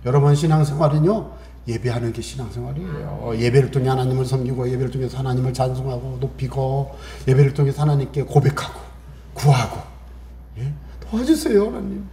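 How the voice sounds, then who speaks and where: A middle-aged male pastor giving a lively Sunday sermon. He asks the congregation questions and acts out voices from his stories. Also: mid-range voice, a little fast, reverberant, slight background noise.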